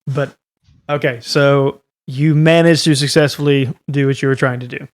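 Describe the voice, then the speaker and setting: A man's voice: mid-range voice, level tone, normal speed. A man running a tabletop game, narrating off the cuff and thinking aloud as he makes rulings. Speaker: game master.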